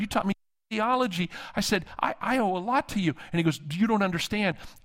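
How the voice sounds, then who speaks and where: Someone in an American accent talks at a very fast pace with lively intonation. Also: man. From Western Pennsylvania, Pittsburgh. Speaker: seminary dean and preacher. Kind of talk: sermon. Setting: stage with audience.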